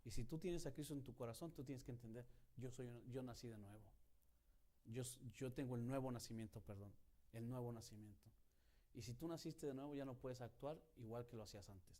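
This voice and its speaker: A man's voice: mid-range voice, a little fast, mellow. Male pastor, conversational sermon with acted-out quotes. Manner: conversational preaching, acts out quoted prayers and dialogue.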